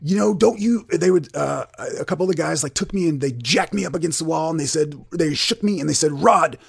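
A man playing an earnest, prudish Christian metal singer with a gravelly voice, rambling and oversharing in an improvised comedy interview. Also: fairly high pitch, fairly quick. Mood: wounded, indignant. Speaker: comedy podcast guest in character.

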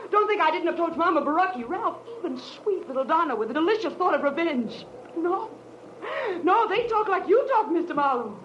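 A vengeful, half-crazed widow in an old radio thriller. Her high voice swoops widely with theatrical scorn and menace. The recording is muffled. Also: very animated, a little fast, fairly bright tone, slight background noise, exaggerated voice. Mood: menacing, unhinged. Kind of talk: 1940s radio crime drama acting.

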